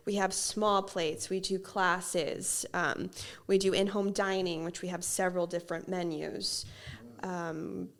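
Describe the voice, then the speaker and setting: A woman's voice: lowish voice, gravelly. A woman interviewed about her catering business who talks in a friendly way and uses a lot of "um"s as she lists what they offer. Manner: friendly, frequent um fillers, lists things. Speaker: business owner guest. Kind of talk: casual interview.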